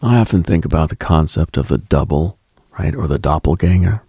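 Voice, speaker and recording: A man hosting a late-night mystical radio monologue in a hushed, musing, ASMR-like way, with frequent pauses and a husky, breathy, gravelly voice. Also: very deep voice, no echo. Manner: hushed, musing, pausing often.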